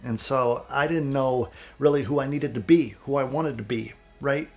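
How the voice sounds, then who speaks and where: A man in his thirties from central Wisconsin, a music producer giving earnest, candid motivational advice to camera, raspy and stuffed up with a cold. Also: mid-range voice, normal speed. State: sick with a cold, stuffy nose. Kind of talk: vlog advice talk to camera.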